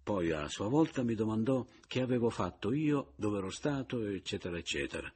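A man reading a literary novel aloud as an audiobook narrator, in a measured, reflective first-person voice. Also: on the low side, lively intonation, darkish tone, breathy edge.

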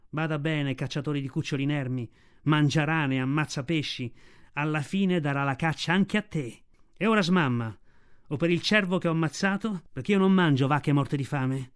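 Fierce protective mother wolf for a radio storybook, a man doing her, high-pitched and defiant. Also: fairly bright tone, lightly acted.

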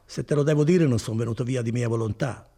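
A man's voice: mid-range voice, fast, warm tone, lightly acted. A man voicing a troubled young runaway, speaking earnestly.

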